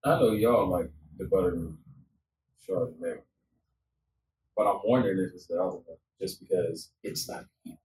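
A man's voice: deep voice, moderate pace, pauses often, a little mellow. A man who is a regular guest on a wine podcast, thinking aloud and second-guessing his answers. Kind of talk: casual chat over wine. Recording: roomy, distant mic, faint noise.

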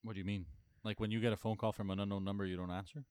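Male podcast co-host, blunt teasing reactions, low smooth voice. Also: little pitch movement, rapid-fire, darkish tone, no room sound, clean studio sound. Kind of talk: casual chat.

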